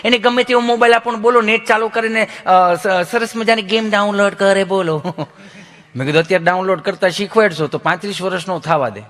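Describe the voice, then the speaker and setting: A man with a Kathiawadi Gujarati accent, a folk comedian telling funny stories on stage, joking and animated as he imitates the people he quotes. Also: high voice, brisk. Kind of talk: stage storytelling at a dayro.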